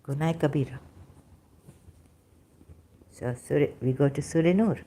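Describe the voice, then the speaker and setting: A woman giving an unscripted personal monologue to camera, halting often and searching aloud for the right words. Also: low voice, mellow. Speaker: vlogger.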